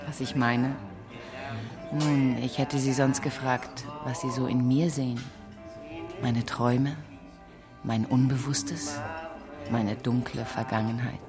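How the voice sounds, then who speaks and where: A woman's voice: rumbling low, fairly even intonation, takes it slowly, pauses often, music in the background. An actress playing a coy, flirtatious woman who teases her conversation partner. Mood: teasing. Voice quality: teasing, coy.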